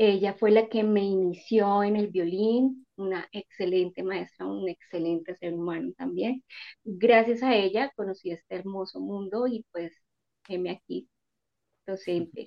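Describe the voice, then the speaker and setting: The delivery is fairly slow with fairly even intonation. It is an ordinary speaking voice. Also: woman, medium pitch for a woman. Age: 30s. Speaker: music teacher. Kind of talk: interview.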